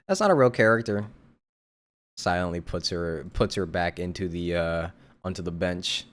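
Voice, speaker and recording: A man talks casually while streaming a game, relaxed and quick to laugh. His voice sits on the low side. He answers his chat in a loose, chatty way. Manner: laid-back, laughs often, answers chat. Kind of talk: casual live-stream commentary.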